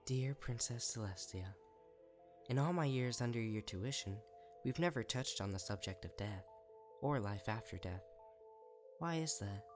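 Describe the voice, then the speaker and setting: Lifted-pitch man as a dead student unicorn, curious, lonely, eerie, storybook letter, faint music. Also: lively intonation, measured pace, pauses often, close to an everyday voice. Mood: eerie wonder.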